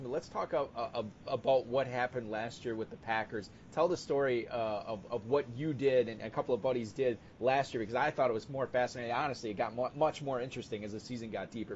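A man hosts a sports talk show with an average-pitched voice, asking questions conversationally. The recording is dull, with faint rumbling noise behind him. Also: fast, hardly any pauses. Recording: dull audio with noisy rumble.

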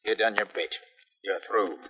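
A man's voice: moderate pace, background noise, natural voice. A man playing a slick gangster club boss. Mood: menacing. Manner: gangster slang, coaxing low menace. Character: crooked male nightclub boss with a gun, smooth menace. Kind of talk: 1950s radio drama acting. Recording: dull old transcription with long reverb.

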